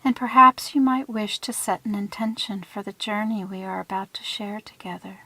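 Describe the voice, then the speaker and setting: A woman leading a guided visualization in a soothing, hushed manner, with deliberate phrasing and breathy trailing ends. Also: medium pitch, fairly even intonation, no room sound, poor audio. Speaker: guided meditation leader.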